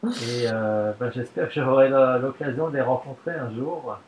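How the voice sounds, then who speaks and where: Man, interviewer, encouraging, echoey room, faint rumble behind. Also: moderate pace. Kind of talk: casual conversational interview.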